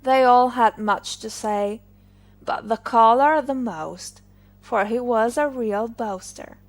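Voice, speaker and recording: A woman narrating a fairy tale for English learners, deliberately and phrase by phrase. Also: a little high. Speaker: storyteller.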